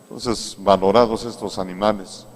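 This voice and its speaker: A Mexican priest preaching a sermon in an unhurried, conversational way, coming back to key phrases again and again. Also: male voice, lowish voice, fairly even intonation. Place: large cathedral. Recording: echoey cathedral sound.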